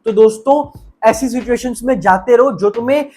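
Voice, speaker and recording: A young man giving energetic, emphatic motivational advice in a casual vlog, repeating words for stress and using slang. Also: very high voice, normal speed, faint music behind. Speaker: self-improvement YouTuber.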